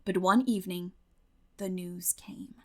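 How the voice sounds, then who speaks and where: A woman audiobook narrator reading literary fiction expressively, with measured storytelling phrasing. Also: on the low side, fairly even intonation, dark tone.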